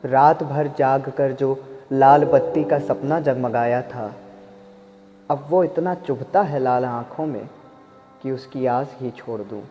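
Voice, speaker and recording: A man slowly reciting a poem in a measured voice. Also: medium pitch. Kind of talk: poetry recitation over music. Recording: dull reverberant voice-over with music.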